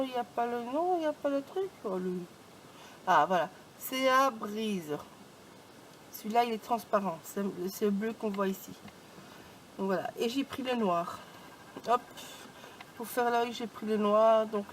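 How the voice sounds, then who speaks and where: Chatty woman with a higher voice. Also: slight background noise, poor audio. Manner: chatty, peppered with "donc" and "hop". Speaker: craft YouTuber. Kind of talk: casual craft tutorial.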